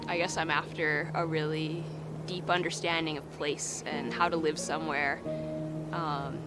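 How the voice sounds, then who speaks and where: A woman's voice: low-pitched, flat delivery, unhurried, loud music behind the voice. A woman in her twenties from Canada who speaks hesitantly and thoughtfully in a documentary interview. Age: 20s.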